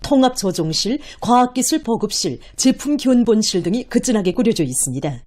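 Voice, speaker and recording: A woman's voice: a little high, big pitch swings, fairly quick, darkish tone. A woman with a North Korean accent narrating formal broadcast news in an emphatic, declamatory cadence.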